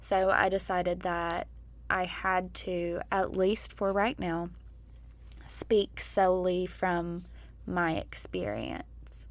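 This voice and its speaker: A woman in her twenties hosting her own podcast, speaking hoarsely after straining her voice, and talking in a candid, reflective way about her own experience. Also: lowish voice, slow pace. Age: 20s. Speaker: podcast host. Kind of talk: personal podcast monologue.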